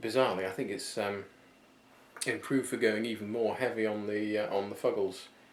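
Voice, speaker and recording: With audible room echo, a man talks at a fairly quick pace with a fairly low pitch and fairly even intonation. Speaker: home brewer. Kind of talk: casual vlog monologue. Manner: hesitant, many fillers.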